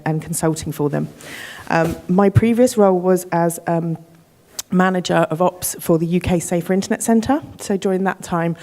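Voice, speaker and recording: Low, mellow-voiced woman panelist. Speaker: panelist, community safety director. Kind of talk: conference panel talk. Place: conference stage.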